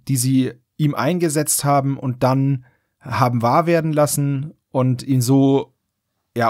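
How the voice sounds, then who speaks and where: A man's voice: medium pitch, a little mellow, no echo, clean studio sound. A man co-hosting a podcast, recapping stories in a casual, conversational way. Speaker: podcast host. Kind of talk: casual plot recap chat.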